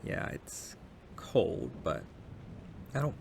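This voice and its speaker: Man playing a shy, gravelly-voiced young neighbor guy. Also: low voice, wildly swooping pitch, very slow, noisy background, exaggerated voice. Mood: apologetic, polite. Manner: hesitant, apologetic, stammering, soft-hearted. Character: shy, polite, kind young male neighbor caught in rain. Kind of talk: intimate ASMR roleplay audio drama.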